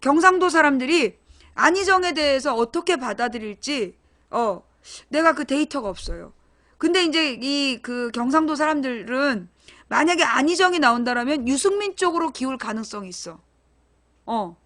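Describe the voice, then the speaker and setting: A woman's voice: high voice, animated, normal speed, a bit bright. A woman hosting a live-stream political commentary show, speaking bluntly and informally and putting questions straight to her chat viewers. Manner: talks directly to chat viewers, asks them questions; blunt and emphatic, informal speech.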